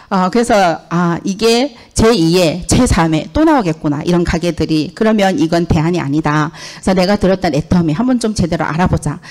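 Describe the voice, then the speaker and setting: A woman's unremarkable speaking voice, fairly low in pitch, with lively intonation, a moderate pace and very even loudness, over a quiet background. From China. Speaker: network marketing speaker, former teacher; speaker, former teacher. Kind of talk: business presentation lecture. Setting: seminar room with live audience. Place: classroom. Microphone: handheld.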